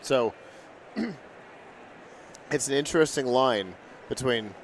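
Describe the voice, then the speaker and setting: A man's voice: mid-range voice, slow pace. A man asking casual questions as an interviewer on site. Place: busy tech conference floor. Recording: noisy busy event with background ambience.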